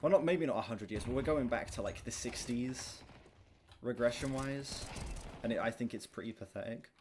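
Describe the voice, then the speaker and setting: A young man livestreaming, chatting casually and candidly to his audience in a projected but monotone voice, swearing now and then. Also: mid-range voice, moderate pace. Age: young adult. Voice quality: self-described monotone, projected streaming voice. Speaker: gaming livestreamer. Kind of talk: casual chat to a stream audience. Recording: clear background noise, keyboard clicks. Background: keyboard typing and clicks.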